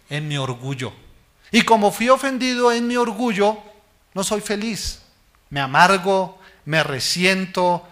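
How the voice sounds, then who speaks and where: A pastor preaches a sermon, asking the congregation questions and answering them himself. His voice falls low and soft at the ends of phrases, and he addresses the listener directly as "hermano."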